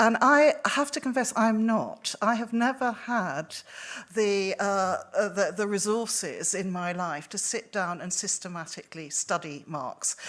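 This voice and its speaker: Here a woman speaks at a very slow pace. Her intonation is lively. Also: medium pitch for a woman. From Wales. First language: Welsh (speaking German). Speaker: lecturer, labour researcher. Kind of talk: lecture.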